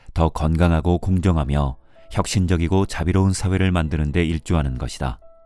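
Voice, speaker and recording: Over music in the background, a man with a very deep, low pitch speaks at a fairly slow pace. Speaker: voice actor. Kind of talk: audiobook reading.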